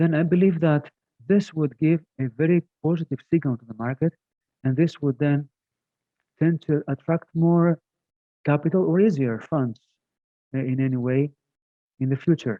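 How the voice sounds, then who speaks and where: A fairly high-pitched male voice with a Greek accent, moderate pace, ordinary pitch variation, big swings in loudness, and long, frequent pauses. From Greece. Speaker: professor. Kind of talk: lecture.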